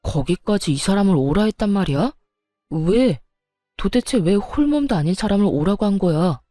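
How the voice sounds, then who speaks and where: An angry young husband, voiced by a woman narrator, raising his voice in exasperation, in a warm, fairly low tone. It is a dry, close storytelling recording with faint music under it. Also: lively intonation, normal speed, no echo, lightly acted. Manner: shouting, exasperated. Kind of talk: storytelling narration with acted dialogue.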